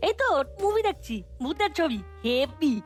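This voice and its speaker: A woman voicing a lively, cheeky ten-year-old boy sidekick in a children's cartoon, with a brisk, slangy manner. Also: high-pitched, faint music behind. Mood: puzzled, chatty. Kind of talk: animated children's cartoon acting.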